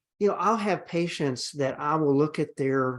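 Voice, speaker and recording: Against a quiet background, someone talks at a fairly quick pace with a Southern US accent. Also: man. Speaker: doctor. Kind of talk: interview. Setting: video call.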